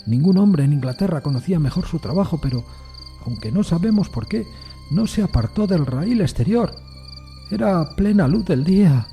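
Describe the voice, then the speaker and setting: A man's voice: fairly high pitch, animated, moderate pace, gravelly, mellow, faint music behind, voice pushed up. A man playing a solemn, respectful Victorian railway workman who bears grim news with deference. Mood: somber explaining.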